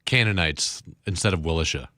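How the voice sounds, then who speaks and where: Deep-voiced, bantering male co-host. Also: a little fast, bright, forceful tone, no room sound, studio quality. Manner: short agreeing interjections and teasing questions. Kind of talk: casual banter.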